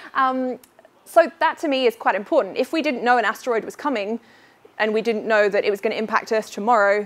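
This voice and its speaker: Speaking in a British accent, a woman sounds enthusiastic, her pitch fairly high with ordinary variation. Her pace is moderate. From United Kingdom. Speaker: planetary geologist. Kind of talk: public science talk. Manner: enthusiastic, casual. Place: classroom.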